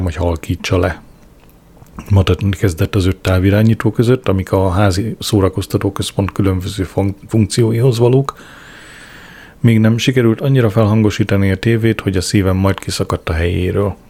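A man reading a comic diary aloud as an audiobook narrator, with a dry, deadpan delivery. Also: deep voice, husky.

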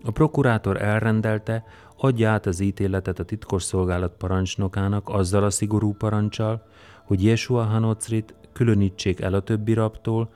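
A man narrating an audiobook in a measured, even manner. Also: fairly low pitch, clear, resonant tone, faint music behind. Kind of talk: scripted narration.

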